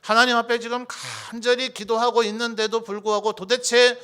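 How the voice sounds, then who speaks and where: A man's voice: very high voice, little pitch movement, moderate pace, pushed and bright, smooth. A male pastor delivering a Sunday sermon, earnest and pleading as he reads scripture aloud.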